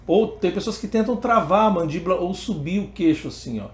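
A man with a Brazilian Portuguese accent gives an online singing lesson from an echoey room, speaking a little fast in an animated, high-sitting voice. He walks through each step, then demonstrates by singing vowel examples.

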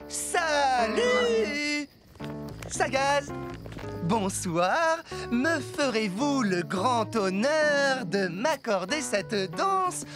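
A clumsy, well-meaning boy in a children's cartoon. The delivery is slow and hesitant, slightly high and earnest, over clearly audible music. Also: sing-song, exaggerated voice. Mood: stiffly declaiming. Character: awkward, nervous, well-meaning young boy rehearsing as prince. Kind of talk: French children's cartoon dubbing.

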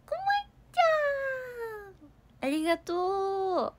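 A young woman with a high voice and a Kansai accent, chatting casually on a livestream. She reads viewer comments aloud and thanks people. She coughs now and then and her throat sounds sore. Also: slow pace, heavy background noise. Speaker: idol livestreamer.

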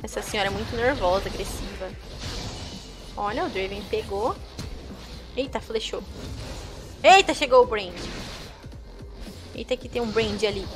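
A young Brazilian woman chatting casually with viewers while streaming a game, with excitable outbursts. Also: medium pitch, normal speed, pauses often, music in the background. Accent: Brazilian Portuguese. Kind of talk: casual gameplay commentary.

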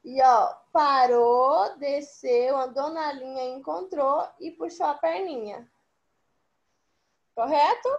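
A woman teacher on a video call, slowly and patiently guiding young children as she traces letters during a dictation. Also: sits high, highs cut off. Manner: slow, patient, demonstrative letter tracing. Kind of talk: online class dictation.

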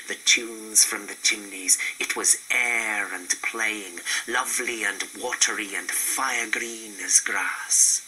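A man reciting poetry in measured, declamatory phrases. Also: fairly low pitch, bright, forceful tone, low-quality recording. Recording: faint hiss and background noise.

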